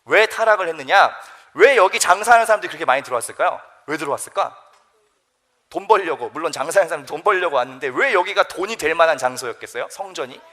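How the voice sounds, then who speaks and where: A young man, a youth pastor, preaching a sermon to teenagers in a lively storytelling way and asking them questions. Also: fairly high pitch, fast.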